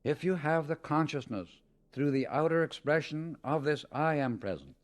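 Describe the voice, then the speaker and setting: A man reading a scripted spiritual teaching as an audiobook, in a solemn, deliberate and emphatic manner. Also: on the high side, lively intonation. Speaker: audiobook reader.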